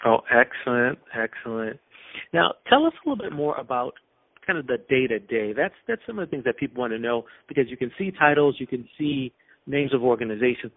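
A man's voice: medium pitch, dry recording. A man hosting a radio interview show, reading a scripted, formal introduction and then asking his guest questions. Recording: dull dry radio sound.

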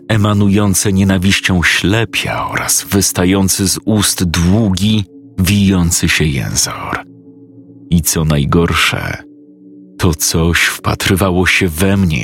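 A man narrating a scripted horror story in a slow, grave manner. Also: low-pitched, fairly bright tone. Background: faint music.

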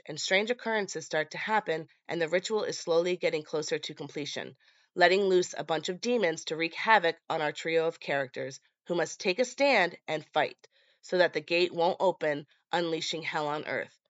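Female podcast host, lowish voice, congested and nasal as if throat is swollen, casual delivery, dry but dull recording. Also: fairly bright tone, no room sound. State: congested from allergies, sore throat. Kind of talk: casual scripted horror movie podcast.

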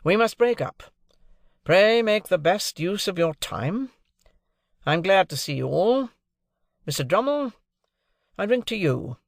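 A man's voice: high voice, animated, a little slow, vocal fry, pauses often, no echo, clean studio sound, voice pushed up, exaggerated voice. A man doing a cool commanding lawyer. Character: cool imperious older male lawyer.

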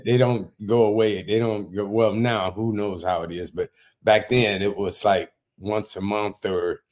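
Older guy, a vet, rambling through his stories on a podcast, lots of uhs and you knows, lowish voice. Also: steady tone, a little slow, darkish tone. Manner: rambling storytelling with fillers. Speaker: guest, military veteran. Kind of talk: casual podcast interview.

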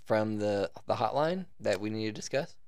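Gravelly low-voiced podcast co-host. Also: male voice, animated, normal speed, a loud crowd. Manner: wisecracking, laid-back. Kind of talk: casual podcast chat.

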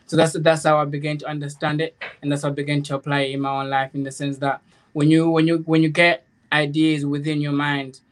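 A man with a fairly high voice and a flat, even melody talks informally as a guest. He is earnest and rambling, circling back over his phrases as he explains. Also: a little fast. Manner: earnest, rambling, repeats phrases, checks understanding. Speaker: guest, author. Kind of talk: informal spiritual discussion.

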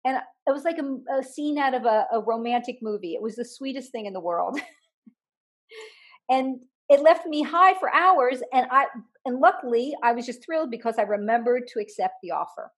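An animated woman guest recounts stories in an interview, her voice sitting a little higher than most. She laughs now and then as she talks and often repeats a word while gathering her thoughts. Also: normal speed. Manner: repeats words when thinking aloud. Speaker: author and guest. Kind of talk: storytelling interview talk.

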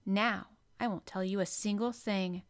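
A woman's voice: medium pitch, fairly even intonation, a little slow, clear, resonant tone, lightly acted. A woman voicing a stiff, obstinate young girl in a storybook reading, with a fierce, contrary, unsympathetic manner. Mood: sour, scornful.

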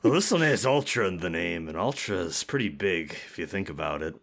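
Male co-host, very low pitch but a sharp, bright tone, dry humor. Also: big pitch swings, brisk, creaky. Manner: dry, offbeat joking. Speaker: podcast co-host. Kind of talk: casual chat.

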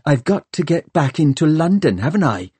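Man voicing a fierce, bitter young woman, pitched up. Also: slow, darkish tone, breathy edge, dry recording. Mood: angry, snapping. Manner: snappish, blunt, mocking. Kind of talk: audiobook character dialogue.

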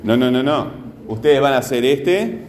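A man's voice: mid-range voice, expressive, normal speed. Male teacher, patient, fond of fillers, recorded in a roomy classroom with faint background hiss. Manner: patient, repeats phrases, fillers like "este". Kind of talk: classroom grammar lesson.

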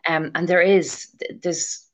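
A woman's voice: lowish voice, fairly even intonation, slow pace. A woman answering interview questions as a clinician, earnest and explanatory, on slightly muffled audio. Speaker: haematology clinician interviewed as guest.

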